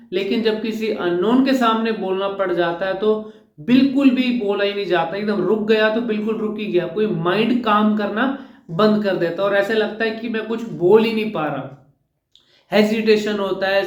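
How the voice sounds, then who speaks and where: A man with a high voice gives an instructional talk as a speech coach. He is emphatic and hammers his points home as numbered rules. The sound carries a roomy echo.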